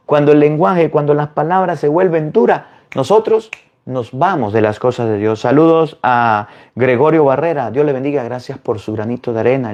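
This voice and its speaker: A man, a Catholic priest, preaching to viewers in an animated way, firing rhetorical questions. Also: fairly high pitch, lo-fi sound.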